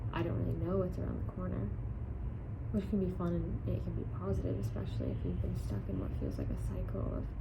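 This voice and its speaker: A woman's very deep, low voice at a very fast pace, with lively intonation, very even loudness and noticeable background noise. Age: 20s. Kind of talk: unscripted personal reflection to camera.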